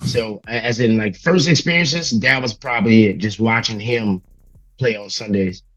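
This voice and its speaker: A man in his thirties from Louisiana with a raspy voice, chatting casually and reflectively as an interview guest. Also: lowish voice, normal speed, a bit bright, no echo, lo-fi sound. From Louisiana, United States.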